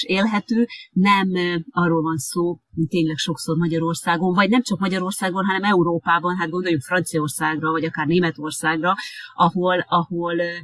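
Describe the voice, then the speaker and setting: An interviewer in a relaxed conversation who talks thoughtfully, with frequent filler sounds and restarts. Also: mid-range voice, dry recording. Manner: hesitant, many filler sounds. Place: lives in Japan.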